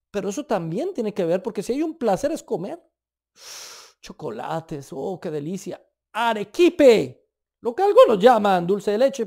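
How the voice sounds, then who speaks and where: A man with a Colombian accent preaching a sermon in an emphatic, animated way, with light asides. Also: sits high. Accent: Colombian Spanish.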